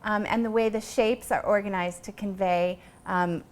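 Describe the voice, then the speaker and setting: A woman's voice: medium pitch, fairly even intonation, moderate pace. A woman giving earnest, explanatory answers as an interview guest in a conversational style. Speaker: guest, painter and creativity consultant.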